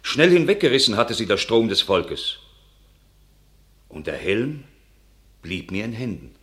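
Country guy in a radio drama, low voice, grave and earnest, tells things in a formal declaimed way. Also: very animated, a bit bright. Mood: wondering. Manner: grave, declamatory, measured storytelling. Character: earnest countryman bringing grave news of war. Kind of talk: classical German radio play acting.

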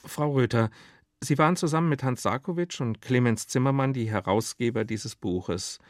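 A man's voice: medium pitch, moderate pace, no room sound. Male radio interviewer, very dry sound. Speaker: interviewer, host. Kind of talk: prepared, articulate radio presenting.

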